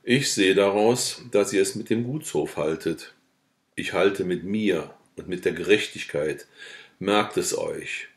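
A man's voice: sits low, a little slow. A man reading the lines of a hard, stubborn old peasant farmer who speaks bluntly.

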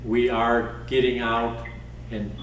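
A man chairing a council meeting as mayor, giving a formal update in a measured way with frequent ums. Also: mid-range voice, level tone. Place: wood-paneled council chamber. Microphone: desk microphone from a far camera. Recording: roomy chamber, distant mic, faint hiss.

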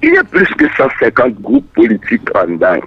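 A man's voice: lowish voice, wildly swooping pitch, fairly quick, slightly rough, dull audio. A man, a political guest answering in a radio interview, emphatic and repetitive, declaiming his points.

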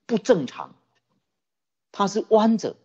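A Buddhist dharma teacher telling a story in a sermon, animated, often asking the listeners questions. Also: medium pitch, slow, breathy edge, dull audio. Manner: animated, many rhetorical questions to the audience.

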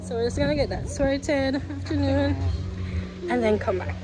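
A woman's voice: high-pitched, moderate pace, background noise. A young Jamaican woman chatting to her phone camera in a casual travel vlog, laughing often. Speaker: vlogger. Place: outdoors at a hillside restaurant and roadside. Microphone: phone camera at arm's length.

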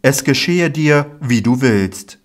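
A man's voice: mid-range voice, lively intonation, pitched above the performer's own voice. A man reading a stern preaching teacher. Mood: admonishing. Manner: declaiming, emphatic, slow. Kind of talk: solemn Bible audiobook reading.

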